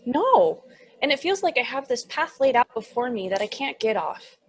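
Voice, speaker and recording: A woman's voice: fairly high pitch, moderate pace, breathy edge, exaggerated voice. A woman playing a childlike, naive young demon in a comedy table read, eager and earnest. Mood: earnest, glum. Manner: excitable, earnest.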